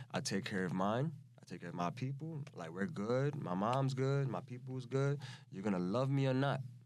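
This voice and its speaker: A man talks at a medium pitch with lively intonation. Room echo is audible. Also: moderate pace. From New York City, the Bronx. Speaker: rapper. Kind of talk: casual chat.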